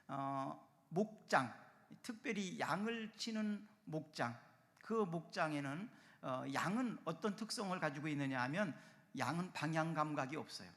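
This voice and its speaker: A man's voice: high voice, fairly bright tone, long reverb tail. A man preaching a sermon as pastor, earnest, with rising and falling emphasis and rhetorical questions. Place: church sanctuary.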